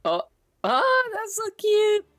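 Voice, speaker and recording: A woman's voice: very high-pitched, wildly swooping pitch, slow, a bit bright, no room sound. A woman live-streaming a game, commenting casually and reading the on-screen text aloud.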